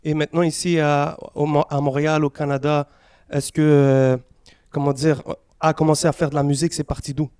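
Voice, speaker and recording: A man interviewing a young rapper, asking easygoing, halting questions. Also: a little high, little pitch movement, darkish tone, smooth, dry recording, clean studio sound. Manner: easygoing, hesitant questions with fillers.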